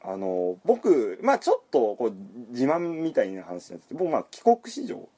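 A man from Aichi co-hosting a casual podcast, answering quickly and with a laugh. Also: mid-range voice, huge pitch swings, dark tone, slightly rough. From Aichi, Japan. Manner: quick, laughing, teasing retorts. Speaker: podcast co-host, manga artist. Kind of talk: casual chat.

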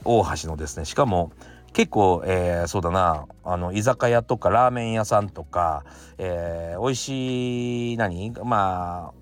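A man from the area, hosting a casual solo talk podcast, chatty, full of fillers and little chuckles. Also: lowish voice. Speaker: podcast host.

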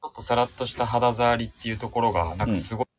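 A man's voice: medium pitch, very fast. A man speaking as a guest in a casual chat, explaining his picks while searching for words. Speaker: radio show guest.

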